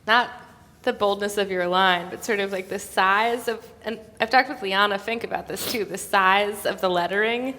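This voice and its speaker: A woman's voice: mid-range voice, normal speed, bright, forceful tone, a little hiss or hum. A woman interviewing casually on stage, jokey and given to laughing as she talks. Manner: jokey, laughs often while talking. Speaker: interviewer, cartoon editor. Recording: reverberant hall.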